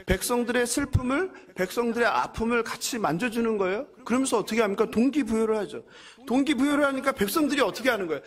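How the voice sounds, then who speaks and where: Guy pastor preaching, fairly high voice, keeps asking the church questions then answering himself. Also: expressive, fast. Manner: asks the congregation questions and answers them himself; acts out the enemies' mocking voices. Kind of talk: sermon.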